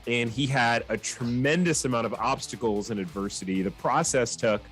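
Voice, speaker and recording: A man's voice: mid-range voice, moderate pace, a bit bright, soft background music. A man hosting a franchise podcast, talking in an upbeat, enthusiastic way with his guest. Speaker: podcast host. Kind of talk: podcast interview.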